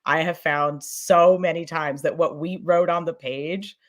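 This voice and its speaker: A woman's voice: low-pitched, steady tone, measured pace. A woman speaking informally and emphatically as a fiction podcast creator in a casual panel discussion, with an enthusiastic manner.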